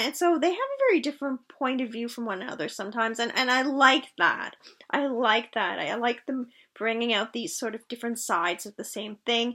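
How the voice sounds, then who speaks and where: A woman's high voice at a fairly quick pace, with big swings in loudness. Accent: Canadian. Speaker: author. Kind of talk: casual vlog talk. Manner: hesitant, with fillers.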